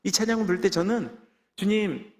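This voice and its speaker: High-voiced man preaching in a reverberant church. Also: very animated, normal speed, a bit bright. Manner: emphatic preaching with frequent amens and call-and-response. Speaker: pastor giving testimony. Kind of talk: sermon. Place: church sanctuary. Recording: long reverb of a church sanctuary.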